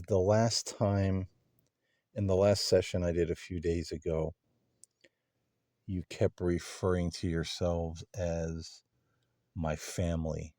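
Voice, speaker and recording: A man hosting a paranormal session, putting questions to unseen beings in a halting, deliberate way with long pauses. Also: sits low, mellow, no room sound, studio quality. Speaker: host of a paranormal contact session.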